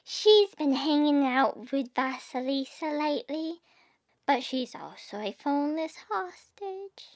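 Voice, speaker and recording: A woman's voice: high-pitched, lively intonation, measured pace, no echo, clean studio sound. A woman playing a fretful, wry female companion on a fantasy quest in scripted audio fiction. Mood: worried, wry.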